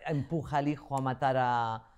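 A woman's voice: very deep voice, fairly even intonation, normal speed, a little mellow, a little hiss or hum. An older woman from Zaragoza, a guest actress telling stories at length in an interview. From Zaragoza, Spain. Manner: chatty, talkative storyteller. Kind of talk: interview conversation.

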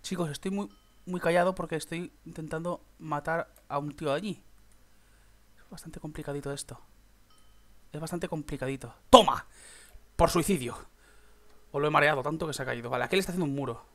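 Excitable young gamer, higher voice. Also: male voice, fast talker. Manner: chatty, swears, bursts into excited shouts. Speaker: gaming YouTuber. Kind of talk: casual gameplay commentary.

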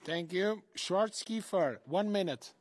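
A man with a high-pitched voice interprets for the session chair. He gives short, formal announcements that call on each speaker. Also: animated, takes it slowly, breathy edge.

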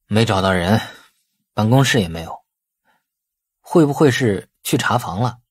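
A man's voice: fairly low pitch, expressive, unhurried, slightly rough. A man voicing a wily, irritable, world-weary young man in an audiobook crime novel, talking in a colloquial, grumbling way.

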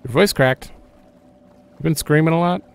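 A man's voice: a little high, normal speed, creaky, smooth. A young man casually commenting as he plays a horror game, rambling and thinking aloud. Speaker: gaming channel host. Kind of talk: casual let's-play commentary.

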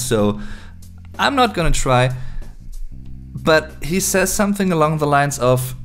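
Lively, unhurried German man thinking aloud. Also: mid-range voice. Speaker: language video host. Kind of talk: casual language lesson. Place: small room indoors.

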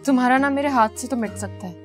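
Young bride, high bright voice, stubborn and earnest, played by an actress for TV drama. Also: female voice, fast talker, soft background music, lightly acted. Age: young adult. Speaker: bride, doctor. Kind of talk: TV drama acting.

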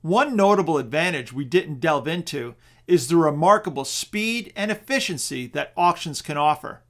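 A middle-aged man narrating a scripted webinar on real estate auctions in a steady, persuasive sales tone. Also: a little high, normal speed.

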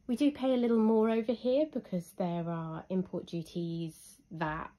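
A young woman with a husky voice from illness, giving a chatty, unhurried review with frequent ums. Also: medium pitch, level tone, dark tone. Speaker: hobby reviewer. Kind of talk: casual product review voice-over.

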